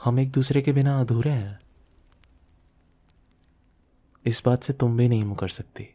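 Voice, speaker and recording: A man's voice: medium pitch, fairly quick, mellow, natural voice. A man playing a possessive, menacing mafia boss lover in an intimate ASMR roleplay, speaking in a threatening, teasing way to the listener. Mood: seductive, possessive.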